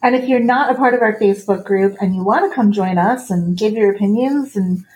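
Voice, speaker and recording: A woman's voice: medium pitch, fairly quick, a little mellow, rough recording. A woman co-hosting a podcast, chatting casually with giggles and reading the show plug. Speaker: podcast co-host.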